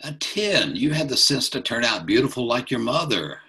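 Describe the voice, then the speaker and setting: A man's voice: medium pitch, very animated, moderate pace, pushed and bright. An actor in his eighties playing a blunt elderly father who gives curt, dry put-downs over a video call. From New York.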